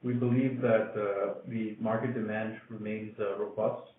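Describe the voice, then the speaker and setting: A man's voice: lowish voice, flat delivery, unhurried. A man giving a business update as a company executive on a conference call. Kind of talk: business presentation on an earnings call. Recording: echoey, noisy, phone-like conference line.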